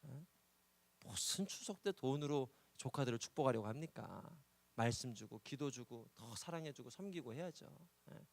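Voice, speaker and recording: A man's voice: medium pitch, animated, normal speed, vocal fry, dry recording. A male pastor preaching a sermon, telling a story and repeating key words for emphasis, often checking in with the congregation. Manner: prompts the congregation with "예?".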